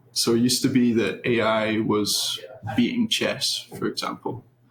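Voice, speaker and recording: A Scottish accent colors the speech. It unfolds at a moderate pace. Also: man. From Scotland. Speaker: AI research engineer. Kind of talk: podcast interview.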